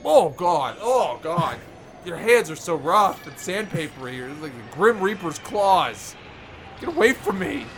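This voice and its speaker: A man's voice: high-pitched, big pitch swings, unhurried, over music, full character voice. An actor voicing a panicky, cranky old male campfire storyteller who shrieks and curses. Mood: panicked shrieking. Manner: shrieking, cursing, easily terrified.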